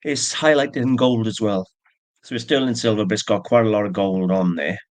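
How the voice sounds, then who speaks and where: Deep-voiced man talking through a jewelry haul. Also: a little fast. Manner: chatty, plain, with fillers and asides. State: stuffy with allergies, yawning. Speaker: antique jewelry seller. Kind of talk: casual show-and-tell narration.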